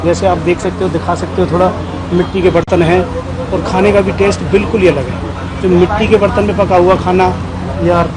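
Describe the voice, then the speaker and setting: A man's voice: sits high, little pitch movement, fairly quick. A man giving a casual customer vox pop to a reporter outdoors. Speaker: restaurant customer. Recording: loud outdoor traffic noise.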